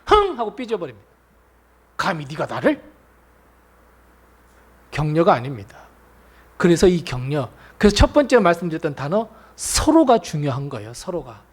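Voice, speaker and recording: A male pastor delivers a sermon in a high, lively voice that swoops across a wide range. He preaches with animation, acting out the voices of the people he quotes. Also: a little fast.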